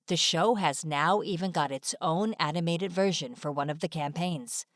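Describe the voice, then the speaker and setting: A woman's voice: low-pitched, normal speed, no room sound. A woman reading scripted narration for an online video as a voice-over. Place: close, dry voice-over recording.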